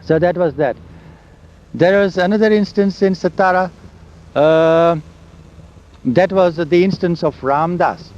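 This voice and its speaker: Older man, halting recollection. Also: sits high. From India. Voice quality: loud voice. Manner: slow, halting storytelling of memories. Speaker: interviewee. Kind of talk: oral history recollection. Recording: dull lo-fi recording with faint hiss and vehicle sounds.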